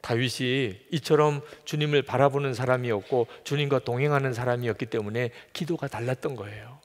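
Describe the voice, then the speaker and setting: A man's voice: medium pitch, a little fast. Male pastor preaching in a reverberant church. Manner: emphatic preaching with rhetorical questions, swinging between soft and loud. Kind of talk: sermon. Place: church sanctuary. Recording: long hall reverb.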